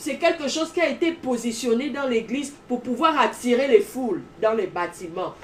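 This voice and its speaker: Amid noticeable background noise, a woman with a high pitch speaks at a moderate pace, her pitch swinging very widely. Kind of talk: preaching advice talk. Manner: animated.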